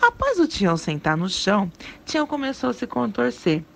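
A woman's voice: a little high, huge pitch swings, moderate pace, vocal fry. A woman hosting a storytelling channel, narrating a listener's story dramatically with asides.

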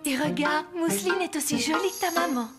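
A cheerful young babysitter from a children's cartoon, played by a woman, with a high voice. She is kind, playful and coaxing, with music clearly behind her. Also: fairly quick, natural voice. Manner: bright-spirited, coaxing, friendly. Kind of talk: French children's cartoon dubbing.

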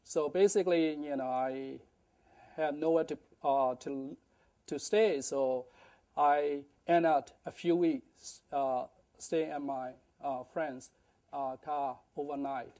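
A middle-aged man telling his life story in a halting lecture, with many fillers and restarts, on a lapel mic in a large indoor kitchen. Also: on the high side, steady tone, dark tone. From Burma. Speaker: guest speaker.

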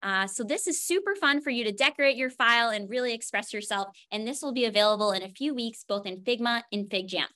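A woman with a bright, fairly high voice shows off features in a cheerful, chatty way. She speaks over a webcam call. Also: expressive, quick pace, hardly any pauses. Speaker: education team presenter. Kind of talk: live software demo.

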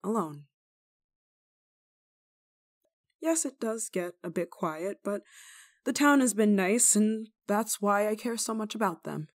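A woman playing a kindly, rule-breaking nun in an ASMR roleplay, speaking to the listener in a gently teasing, caring manner. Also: mid-range voice, lively intonation, moderate pace, close to an everyday voice. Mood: wistful, tender. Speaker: roleplay voice actor.

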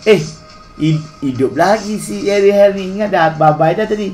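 Brief: Malaysian man, gaming host, teasing and playful, slightly high voice, soft game music under. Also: normal speed, rough recording. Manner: teasing, playful, calls others "Cok". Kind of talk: casual gaming banter.

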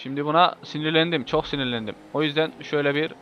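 Excitable man calling his own racing game, loose and foul-mouthed; bright, pushed tone on a dull home mic. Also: a little high, quick pace. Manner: excitable, swears and shouts at the game. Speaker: gameplay video host. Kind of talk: live gameplay commentary. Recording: muffled lo-fi mic with faint hiss.

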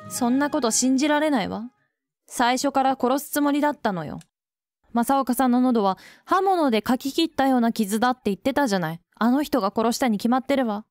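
A woman voicing a sharp-tongued young woman who speaks in a cutting, insistent way. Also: high voice, brisk, faint music behind, natural voice. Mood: accusing.

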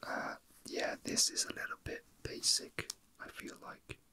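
A man whispering in a breathy, unvoiced voice, rambling casually and a little hesitantly as an ASMR host, musing to himself. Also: measured pace, sharp tone.

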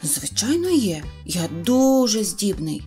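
A woman voicing a boastful, excitable tiny boy-like man who talks eagerly and shouts when excited. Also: medium pitch, takes it slowly, soft background music.

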